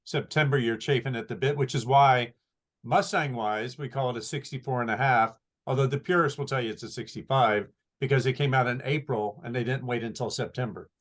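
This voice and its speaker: A man answering interview questions as a company archivist, informative and measured, full of detail. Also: medium pitch, steady tone.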